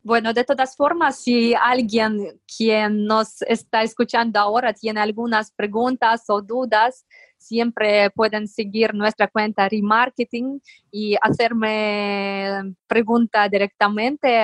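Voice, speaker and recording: Brief: female podcast guest, earnest and encouraging, pauses to find words, dry close sound. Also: medium pitch, no echo. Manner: searches for words. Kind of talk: podcast interview.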